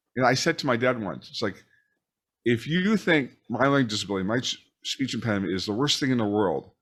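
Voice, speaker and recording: At a very fast pace, a man talks with lively intonation at a medium pitch. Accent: American. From Los Angeles, US. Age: 50s. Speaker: author. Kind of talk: interview. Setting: video call.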